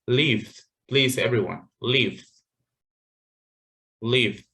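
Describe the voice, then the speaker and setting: A man's voice: mid-range voice, very slow, gravelly, bright, forceful tone. A man teaching an English class over a video call, patient and full of fillers, checking in with "okay" often.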